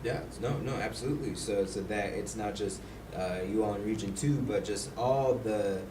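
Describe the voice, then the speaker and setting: A man's voice: fairly low pitch, moderate pace. A man hosting a talk show, hesitant and agreeable, with lots of fillers. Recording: roomy, distant mic with loud noise.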